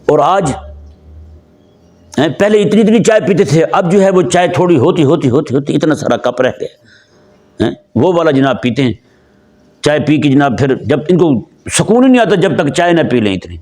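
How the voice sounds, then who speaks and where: Male preacher from Pakistan, slightly high voice, chatty sermon to a seated crowd, puts questions to listeners, slows for verses. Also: expressive, darkish tone. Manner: conversational, asks the audience questions; slows down for Quranic recitation. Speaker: Islamic preacher. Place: before a seated gathering.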